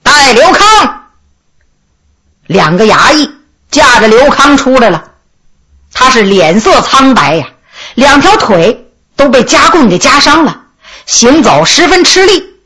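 A woman telling a historical story aloud, her high voice rising and falling with lively expression. She reads slowly and dramatically, taking her time over each scene. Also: husky. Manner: expressive, unhurried, dramatic reading. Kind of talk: storytelling narration of a historical novel.

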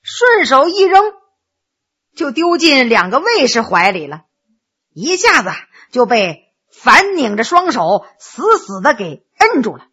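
A woman's voice: high-pitched, sing-song, unhurried, bright, forceful tone, husky. A woman storyteller narrating a Chinese pinghua story in a vivid, rhythmic way.

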